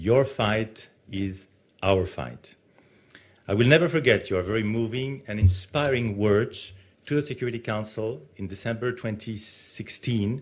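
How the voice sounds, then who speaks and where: In a French accent, a man with a medium pitch and a somewhat breathy voice talks at a fairly slow pace with ordinary pitch variation. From France. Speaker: diplomat. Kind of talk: formal speech. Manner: formal.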